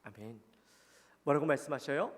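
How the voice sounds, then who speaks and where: A man's voice: medium pitch, moderate pace. A male pastor with a Gyeongsang Korean accent, giving an earnest, conversational sermon and putting questions to the congregation. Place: church sanctuary. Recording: long church-hall reverb.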